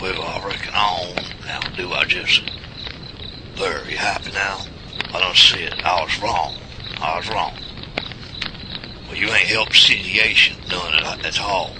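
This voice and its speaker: A deep, drawling old Southern country man acted by a man in an audio drama. He is folksy and cantankerous, forever bickering with his partner. Heavy outdoor ambience sits loudly behind the voice. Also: steady tone, measured pace, pauses often. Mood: grumpy, defensive. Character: grumpy old rural Southern man, bickering Bigfoot hunter. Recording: loud outdoor ambience noise over voice.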